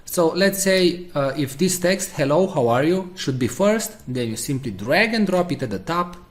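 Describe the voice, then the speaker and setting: Higher-pitched man presenting a software tutorial. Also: animated, normal speed. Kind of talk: screen-share software tutorial narration.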